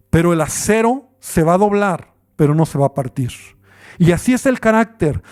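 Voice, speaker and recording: A man with a Mexican Spanish accent, a pastor preaching a sermon and asking the listener questions as he goes. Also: high-pitched.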